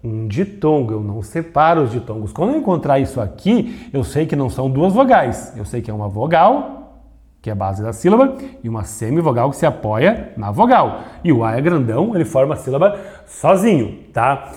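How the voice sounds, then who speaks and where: A man's voice: medium pitch, very animated, fairly quick, darkish tone. A man teaching a grammar lesson on video, explaining step by step, asking and answering his own questions, and drawing out syllables to show them. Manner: stretches out syllables to demonstrate.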